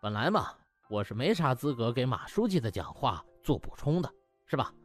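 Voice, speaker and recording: A man's voice: medium pitch, sing-song, normal speed, faint music behind, voice pushed down. A man voicing a cheeky young male doctor in an audiobook, smug, mock-polite and wheedling. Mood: mock-humble. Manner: mock-polite, wheedling, chuckling colloquial talk.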